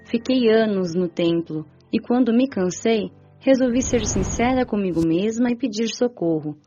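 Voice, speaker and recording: A woman playing a humble young female spirit who confesses in a measured way in a dramatized audiobook. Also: a little high, mellow, natural voice. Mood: remorseful, reflective. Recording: dull lo-fi audio with music underneath.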